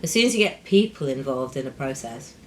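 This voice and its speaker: A middle-aged woman, a perfumer hosting a casual chat, explaining ingredients in a lively, chatty way with asides. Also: extremely low pitch, brisk, slight background noise. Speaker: perfumer and show host.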